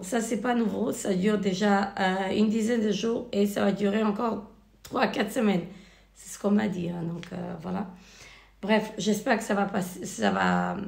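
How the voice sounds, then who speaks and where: Hoarse woman with a cold, gravelly voice. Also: mid-range voice, darkish tone. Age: married adult. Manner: hesitant, many fillers and restarts. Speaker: beauty vlogger. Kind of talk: casual product review vlog. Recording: echoey room.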